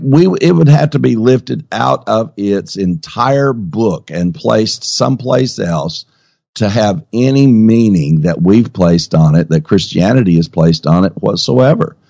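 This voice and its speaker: Male Bible teacher, TV-preacher cadence, slightly gravelly and unhurried, emphatic repeats. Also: on the low side, dark tone, no room sound, muffled recording.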